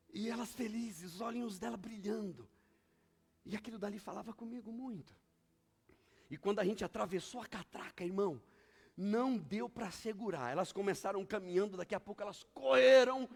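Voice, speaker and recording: A man's voice: sits high, vocal fry, breathy edge. A male pastor, preaching a sermon with emphatic, repetitive storytelling.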